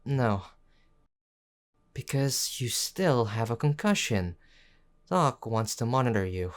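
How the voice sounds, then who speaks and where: Male actor as young boyfriend, audio roleplay, gruff yet caring, mid-pitched, unhurried, pleading. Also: very animated. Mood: earnest, tender. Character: gruff young tsundere boyfriend, worried, stubborn, tender underneath. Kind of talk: intimate audio roleplay acting.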